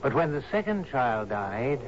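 Sober, deferential island servant, mid-pitched. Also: male voice, very animated. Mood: somber. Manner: deferential, measured, plain. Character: sober, plain-spoken servant of an island captain. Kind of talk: radio drama acting. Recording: muffled radio broadcast with faint noise.

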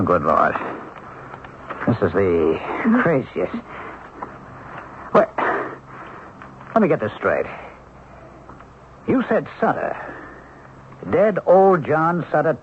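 An actor playing a skeptical, excitable police lieutenant in a radio drama. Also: male voice, a little high, takes it slowly, long pauses, highs cut off. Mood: incredulous. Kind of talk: old-time radio drama acting. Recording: band-limited, faintly noisy radio recording.

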